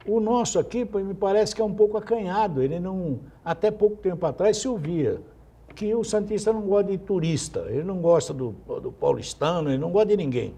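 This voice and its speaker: A man weighs in as a panelist on a television talk show. His voice sits a little high but sounds dark and husky, and he talks in a measured, reflective way. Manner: measured, reflective, interjects politely.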